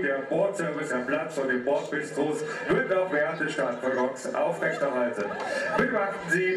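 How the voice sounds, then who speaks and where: A man doing a mock airline captain with a formal, announcer-like delivery, his cabin announcement booming over a hall loudspeaker. The voice is heard from far off in a very echoey room. A large crowd murmurs behind it. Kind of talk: mock flight announcement at a carnival show.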